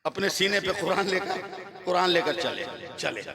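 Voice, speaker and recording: Man, high-pitched preacher, animated sermon storytelling, loud crowd behind. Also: normal speed. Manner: animated, rising to shouts at climaxes. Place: stage before a large gathering. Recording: loud crowd of a large gathering.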